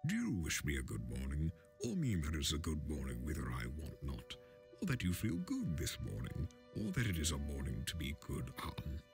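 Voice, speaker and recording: An old wandering wizard, voiced by a male storyteller, stern and teasing. He speaks with pedantic weight and widely swinging pitch in this storybook tale, with music underneath. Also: wildly swooping pitch, normal speed, creaky, exaggerated voice. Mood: quizzical. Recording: film score music underneath.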